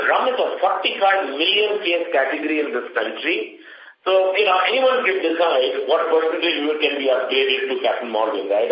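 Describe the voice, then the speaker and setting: A man with an Indian accent speaking as a company executive, answering questions on an earnings call in an emphatic, confident way, often checking in with short tag questions. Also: medium pitch. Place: conference phone call. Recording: echoey, muffled conference call audio.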